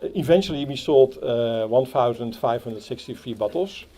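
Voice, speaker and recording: A man with a Dutch accent giving a halting speech at a playground opening, with many fillers and restarts. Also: mid-range voice, warm tone. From Netherlands. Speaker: Rotary club speaker. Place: outdoor playground.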